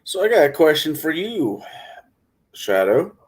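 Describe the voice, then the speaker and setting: A man's voice: fairly high pitch, sing-song, unhurried. A man chatting casually as a guest on a live talk show, asking questions and reacting. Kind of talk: casual chat.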